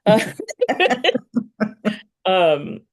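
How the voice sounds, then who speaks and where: A woman's voice: medium pitch, sing-song, extremely slow. A woman interviewer in casual, personal conversation, earnest and often searching for her words. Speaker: podcast interviewer.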